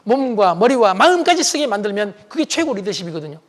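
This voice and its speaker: A middle-aged man giving a lively public lecture, acting out bits of dialogue and putting questions to the audience. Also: sits high, fast talker. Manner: acts out dialogue, quizzes the audience.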